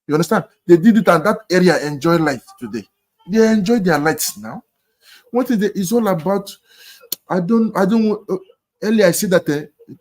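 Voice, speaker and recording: A man's voice: a little high, a little mellow. A man with a Nigerian accent, arguing emphatically in a casual debate over a video call, repeating himself and mixing in pidgin. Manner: repetitive, emphatic, mixes in pidgin. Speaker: discussion participant.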